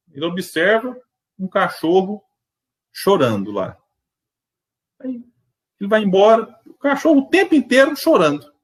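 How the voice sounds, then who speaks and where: A man giving a spiritist lecture online, telling anecdotes in a conversational, reflective way and voicing the characters in his stories. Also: a little high. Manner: animated, tells anecdotes and voices the characters in quotes. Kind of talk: virtual religious lecture with storytelling.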